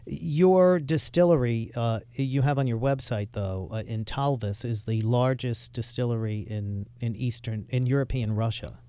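A man hosting an interview, asking probing questions in a halting, conversational way. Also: medium pitch, warm tone, no room sound. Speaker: interviewer, host.

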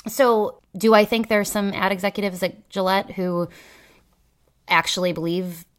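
A woman's voice: medium pitch, little pitch movement, moderate pace. A woman co-hosting a podcast, talking casually with many fillers in a cynical, hedging way. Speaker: podcast co-host; teacher.

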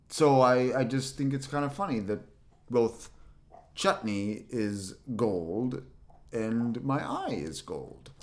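A man talking casually as a podcast guest, good-humored, laughing at himself and often restarting his phrases. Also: lowish voice. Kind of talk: casual conversation.

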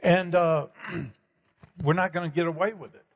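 A man's voice: on the high side, steady tone, a little slow, gravelly. A man talking in a preacherly, emphatic way with many fillers. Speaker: guest speaker. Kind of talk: conversational preaching. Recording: hall reverb.

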